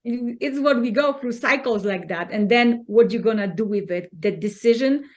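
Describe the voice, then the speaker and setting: Polish-accented woman, earnest and encouraging. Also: fairly high pitch. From Poland. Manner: earnest, encouraging, halting non-native phrasing. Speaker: guest. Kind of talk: conversational interview.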